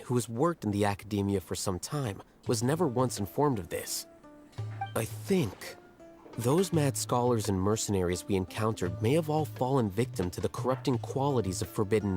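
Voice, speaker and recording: A man playing an arrogant, cool-headed scholar in a fantasy video game, speaking in a measured, formal, condescending way. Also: medium pitch, darkish tone, lightly acted. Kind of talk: scripted video game dialogue.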